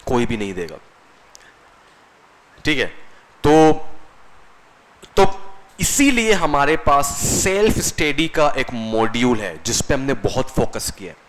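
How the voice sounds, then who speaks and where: A man delivers a classroom lecture in an easy, conversational way. He keeps asking his students questions and answering them himself, checking in with them as he goes. His voice sits at an ordinary middle pitch. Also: very animated, slow pace, long pauses, low-quality recording. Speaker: computer course instructor.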